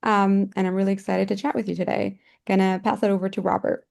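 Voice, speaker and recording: A woman's voice: mid-range voice, level tone, quick pace, creaky, a little mellow. A woman introducing herself cheerfully on a video call panel. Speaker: panelist, product designer. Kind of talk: casual self-introduction.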